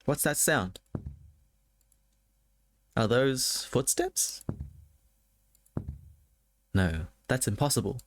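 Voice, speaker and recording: A man's voice: mid-range voice, animated, drawn-out words, long pauses, slight background noise. A man doing a let's play, reading game text aloud and adding casual, wry asides to his chat. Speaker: game streamer.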